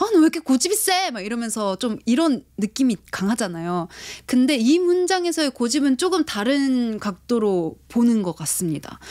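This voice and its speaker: At a moderate pace, a woman with a high voice speaks with very wide pitch swings. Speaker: book YouTuber. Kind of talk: casual book talk to camera.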